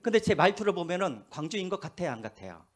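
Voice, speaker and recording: A pastor preaching a sermon, telling stories with a lively voice and dropping to quiet asides, with a faint Jeolla accent. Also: male voice, sits high, fast. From Korea, Gwangju. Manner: animated storytelling, drops to hushed asides. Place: church.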